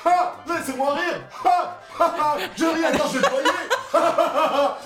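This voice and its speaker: A man doing a high, gloating villain. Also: moderate pace. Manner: booming mocking laughter. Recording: roomy echo with loud music.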